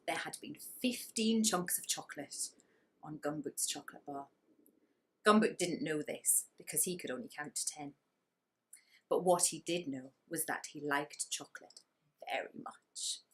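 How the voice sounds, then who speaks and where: A woman reading a children's story aloud with expressive narration and dramatic emphasis on key words. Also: sits low, a little slow.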